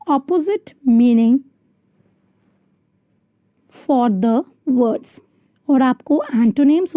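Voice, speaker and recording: A woman teacher giving a grammar lesson, reading English sentences slowly and then explaining them quickly in Hindi. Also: high voice, dark tone, dry recording. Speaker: school teacher.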